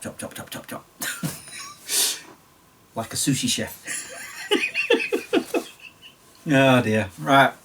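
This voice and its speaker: Man, late 40s, Sheffield accent, rambling chat, a bit croaky, mid-pitched, slightly off-mic. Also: distant mic, noisy background. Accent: Sheffield English. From Sheffield, England. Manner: rambling, self-deprecating, chatty. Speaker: YouTuber. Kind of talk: casual storytelling monologue.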